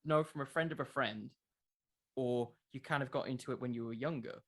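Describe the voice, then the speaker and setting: A man's voice: mid-range voice, fairly quick, fairly bright tone. Young man chatting as an interview guest. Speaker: interview guest, wrestling content creator. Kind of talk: casual interview chat.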